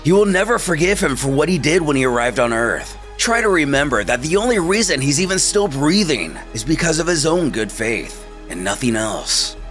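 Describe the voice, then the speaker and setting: A man's voice: fairly high pitch, big pitch swings, moderate pace, few pauses, fairly bright tone. A man narrating a story retelling in a playful way with wry asides. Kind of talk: comic story recap narration. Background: faint background music.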